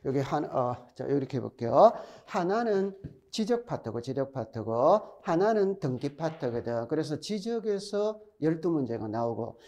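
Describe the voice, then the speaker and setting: Middle-aged lecturer, Gyeongsang accent, lively up-and-down delivery, mellow tone, drills points by repeating them. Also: male voice, fairly high pitch, moderate pace, hardly any pauses. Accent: Gyeongsang Korean. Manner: chatty, repeats key points, quizzes students. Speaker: exam-prep instructor. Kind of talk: recorded classroom lecture.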